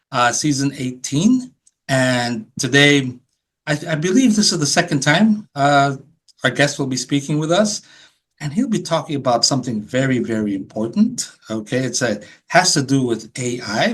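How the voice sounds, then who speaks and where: Filipino man, talk show host, husky breathy voice, slow halting delivery, restarts and pauses. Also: medium pitch, a bit bright. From Philippines. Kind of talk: hosting an interview show.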